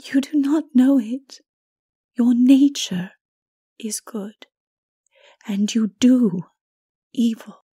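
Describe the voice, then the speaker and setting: Woman playing a breathy, solemn holy woman. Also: a little high, warm tone, heavily acted. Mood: gentle reproach. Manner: solemn, measured, pleading. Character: solemn, sorrowful holy woman, gently stern and righteous. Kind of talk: dramatic audiobook reading, dark fantasy.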